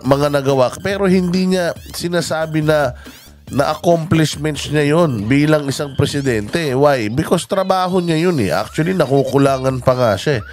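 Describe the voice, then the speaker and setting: A man giving impassioned political commentary, halting with many fillers and outbursts of swearing. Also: fairly high pitch, darkish tone. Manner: hesitant, many fillers, switches into English, angry swearing.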